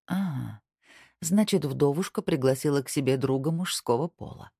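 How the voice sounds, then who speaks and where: An audiobook narrator reading a novel in an even, unhurried storytelling manner. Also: mid-range voice, vocal fry, husky, dry recording, studio quality. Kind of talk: scripted narration.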